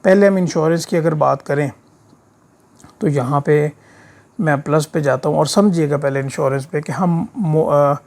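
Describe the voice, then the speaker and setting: A man with a sore throat giving an informal step-by-step software tutorial, often checking that the learner follows with short tag questions. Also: a little high, normal speed, gravelly. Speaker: instructor of an accounting software course. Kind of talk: screen-share tutorial, informal explaining. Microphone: voice-over of a screen recording.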